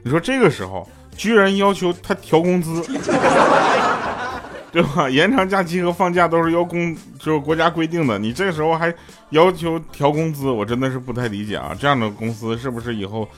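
A man's voice: on the high side, fairly quick, faint music behind. A man telling funny stories in a loose, chatty way, often laughing at his own punchlines. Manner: loose, conversational, many fillers. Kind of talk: chatty comic storytelling.

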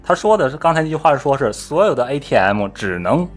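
A man telling a travel story in a casual podcast chat, animated and fond of mimicking voices. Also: mid-range voice, brisk, faint music behind.

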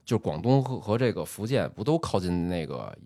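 Low-voiced man telling a story in casual chat. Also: lively intonation, dark tone, dry recording, clean studio sound. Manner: storytelling, drawn-out filler particles. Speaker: podcast host.

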